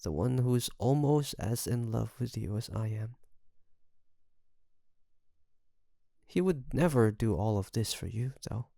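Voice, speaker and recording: A man playing an obsessive, doting kidnapper best friend in an intimate audio roleplay, creaky, coaxing and teasing with soft menace. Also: medium pitch, expressive, dry recording, clean studio sound. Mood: possessive. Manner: softly menacing, coaxing, teasing, with drawn-out phrases.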